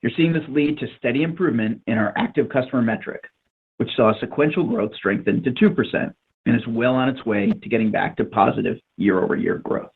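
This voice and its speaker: A husky male voice with mid-range pitch is heard over a narrow phone line. He delivers prepared business remarks as a chief executive on an earnings call. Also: brisk.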